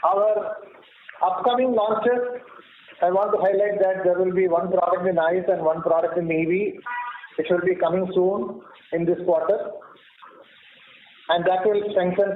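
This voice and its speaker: A man with an Indian accent, a company executive giving formal, measured prepared remarks on an earnings call, stumbling now and then. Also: high-pitched, little pitch movement. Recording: muffled, echoey conference call line with noise.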